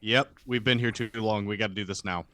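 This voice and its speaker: Low, dry-sounding man playing a tabletop game. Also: fairly even intonation, a little fast, bright, forceful tone, dry recording. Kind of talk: casual in-character game play.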